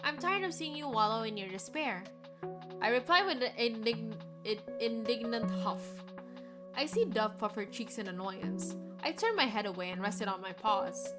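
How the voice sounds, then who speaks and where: A woman's voice: fairly high pitch, lively intonation, moderate pace, loud music behind the voice, close to an everyday voice. A woman voicing an indignant caged wolf from a visual novel, with dramatic, growling delivery. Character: indignant caged wolf narrating its own captivity.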